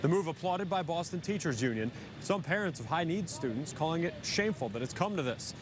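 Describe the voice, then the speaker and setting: A man's voice: expressive, fairly quick. A man working as a news reporter, giving a scripted live report from outdoors. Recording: outdoor traffic rumble behind voice.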